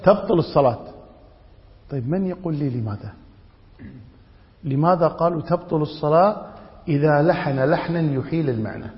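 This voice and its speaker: A man's voice: a little high, fairly quick, long pauses. A man teaching Islamic law in a classroom lecture, quizzing students and repeating key phrases. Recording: dull lo-fi audio in a reverberant hall.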